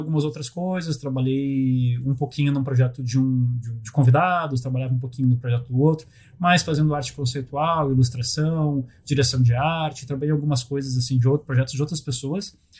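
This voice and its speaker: A man's fairly high, somewhat breathy voice at a fairly quick pace, with hardly any pauses. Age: 40s. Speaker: game developer and illustrator. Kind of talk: interview.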